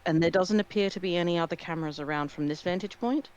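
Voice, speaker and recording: A woman's voice: fairly low pitch, fast talker, a little mellow, smooth, lo-fi sound. A woman talking casually as a player in a tabletop roleplaying game.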